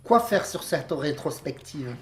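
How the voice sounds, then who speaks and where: A man co-hosting a relaxed podcast, his voice swinging widely up and down as he jokes. He laughs easily and pokes fun at himself, keeping the chat loose and playful. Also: on the high side, a little slow. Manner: jokey, laughs easily, self-mocking. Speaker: podcast co-host.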